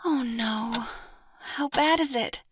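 An actress playing a subdued, polite young student clerk in an audio drama, talking hesitantly. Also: female voice, high voice, slow pace. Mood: worried. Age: young adult. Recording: noisy background with clicks.

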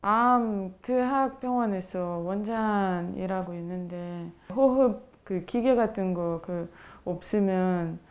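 A woman in her twenties from Ukraine, speaking Korean as an in an interview, halting and searching for words. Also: medium pitch, darkish tone. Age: 20s.

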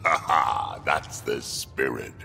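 An extremely deep, growling old alien warrior, gruff and battle-hungry. The voice is slow and very forceful, in video game style. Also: male voice, sing-song, faint music behind, heavily acted. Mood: amused. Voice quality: gravelly, growling.

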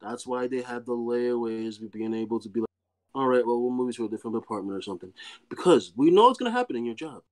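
A man's voice: mid-range voice, lively intonation, quick pace. A young man with a Nigerian accent, debating over a video call from a small room. He talks in bursts, repeats himself and stumbles over words. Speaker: debate guest. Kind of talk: heated casual debate. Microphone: webcam on a video call.

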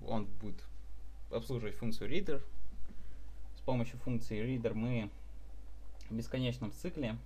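A man recording an unscripted programming tutorial over a screen capture, explaining code step by step with frequent fillers and restarts. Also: mid-range voice.

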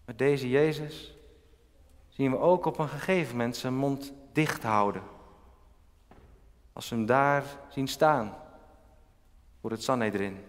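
Lively preaching man in a reverberant church. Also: a little high. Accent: Dutch. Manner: animated preaching, loud when voicing God's words. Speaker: pastor. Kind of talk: sermon. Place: large church.

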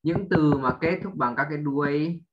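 A man's voice: a little high, moderate pace, highs cut off, noisy background. A man teaching an English lesson to a child, drilling sounds patiently, spelling letters one by one and often checking understanding.

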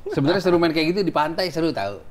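A man's voice: on the high side, very animated, very fast, a crowd in the background. A man in casual banter with old school friends, asking probing mock-innocent questions. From Indonesia. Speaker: podcast co-host.

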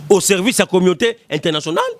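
A man's voice: sits high, expressive, very fast, a little hiss or hum. A man in his thirties with a Congolese accent, giving impassioned political commentary into a desk mic in a small studio, emphatic and repetitive. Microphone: desk mic in front.

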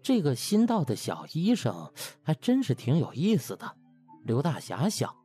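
A man's voice: on the high side, wildly swooping pitch, normal speed, mellow, slightly rough, faint music behind. A man narrating a novel as an audiobook, in a scripted storytelling style.

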